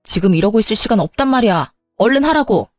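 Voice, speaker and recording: A woman's voice: medium pitch, lively intonation, fast talker, a little mellow, dry recording, soft background music, lightly acted. A woman voicing a spoiled, bossy sister-in-law in a dramatized story, demanding and whiny. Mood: angry.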